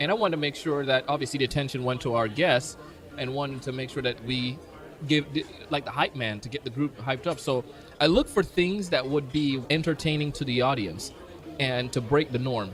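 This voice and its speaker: Speaking at a fairly quick pace, a man with a fairly high pitch is heard over noticeable background noise. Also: ordinary pitch variation. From Jamaica. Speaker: event emcee. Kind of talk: casual interview chat. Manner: fast.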